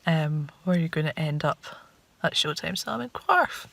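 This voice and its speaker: A woman's voice: low-pitched, animated, normal speed, creaky, fairly bright tone. A woman with a Shetland Scots accent chatting casually to a vlog in a wry, understated, rambling way. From Shetland, Scotland. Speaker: vlogger.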